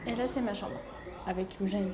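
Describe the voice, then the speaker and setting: A woman's voice: medium pitch, fairly even intonation, fairly quick, over a noisy crowd. A young woman with a cold, chatting casually to viewers in a travel vlog and filling her talk with little fillers as she shows a city and then an apartment. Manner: chatty, addressing viewers directly, frequent fillers. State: has a cold. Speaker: vlogger. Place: outdoors by a city seafront, then indoors in an apartment.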